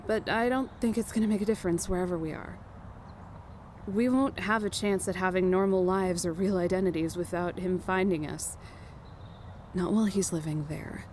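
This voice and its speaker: A woman's voice: lowish voice, fairly even intonation, normal speed, a little mellow, close to an everyday voice. A woman acting a weary, protective young leader of fugitives in an audio drama, with a subdued, serious delivery. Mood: weary, resigned. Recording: noisy outdoor ambience bed.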